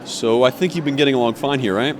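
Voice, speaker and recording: A man playing a courteous, easygoing gentleman employer. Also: medium pitch, fast talker, a crowd in the background, lightly acted. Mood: genial. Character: polite, genial adult gentleman employer.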